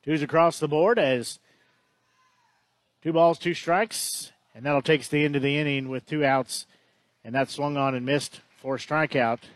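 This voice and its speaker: This play-by-play baseball announcer has a voice on the high side and speaks at a moderate pace. He sounds conversational, often correcting himself, and the recording is dry.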